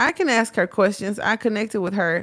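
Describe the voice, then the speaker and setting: On a very clean recording with a silent background, a woman with a Texas accent and a fairly high pitch speaks at a moderate pace. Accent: country Texas. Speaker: tarot reader. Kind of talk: tarot reading livestream. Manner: casual, conversational with profanity.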